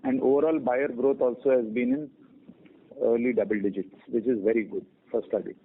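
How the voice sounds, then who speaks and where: Over a narrow phone line, a man with an Indian accent speaks in a creaky, rough voice of medium pitch. He answers questions as a company executive, measured and deliberate. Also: steady tone, a little hiss or hum.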